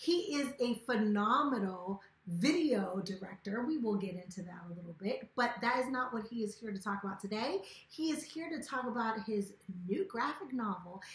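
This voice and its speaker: Moderately paced speech from a woman, fairly high in pitch and lively in intonation, against noticeable background noise. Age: 40s. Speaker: podcast host and actress. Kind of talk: casual interview.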